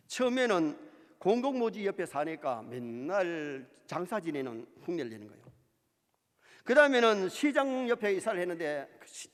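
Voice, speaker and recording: A male pastor preaching a sermon, lively and emphatic, with quoted asides. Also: high voice. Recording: church hall reverb.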